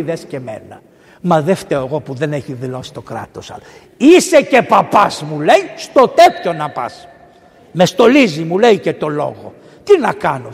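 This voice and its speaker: A man, a priest, delivering a lively, colloquial sermon, swinging between loud exclamations and hushed asides. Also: on the high side, creaky. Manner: colloquial, storytelling. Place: large church. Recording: echoey church with long reverb.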